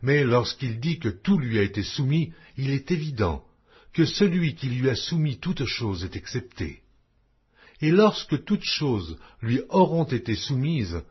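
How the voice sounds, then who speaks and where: A man reading scripture aloud in a slow, measured, expressive way, with a husky voice. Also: medium pitch. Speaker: Bible reader. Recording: dull lo-fi audio.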